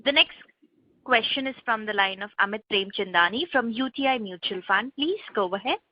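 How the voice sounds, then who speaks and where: A woman's voice: mid-range voice, a little fast. A woman moderating a conference call as operator, in a formal, polite scripted way. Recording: muffled, very noisy conference line.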